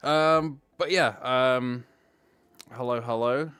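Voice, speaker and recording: A man's voice: medium pitch, slow, fairly bright tone, clear, resonant tone, no room sound. A man hosting a casual live stream, rambling as he sorts out camera trouble. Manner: rambling, fixing tech while talking.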